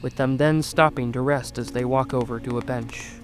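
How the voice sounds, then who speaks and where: A woman's voice: extremely low pitch, fairly even intonation, moderate pace, music in the background. A woman reading scripted narration for an audio drama as its storyteller.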